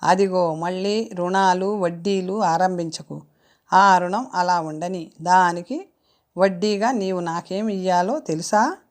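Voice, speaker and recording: A woman's voice: fairly low pitch, a little slow, close to an everyday voice. A woman reading a cheerful, teasing young man. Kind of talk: audiobook character reading.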